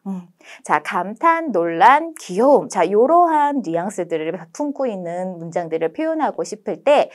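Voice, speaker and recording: Lively woman teaching a language lesson. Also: mid-range voice. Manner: lively, coaxing, playful with acted examples.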